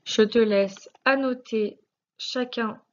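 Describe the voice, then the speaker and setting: A woman teacher with a French accent, slowly and patiently correcting a spelling lesson for young pupils, sounding out syllables. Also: on the high side, steady tone, muffled recording. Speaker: primary school teacher.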